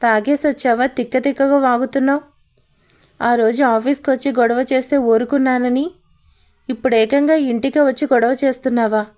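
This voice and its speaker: A man's voice: very high-pitched, steady tone, normal speed, a little mellow. A woman voicing a scheming male villain who taunts and sneers in an audio story. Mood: taunting. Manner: sly, taunting.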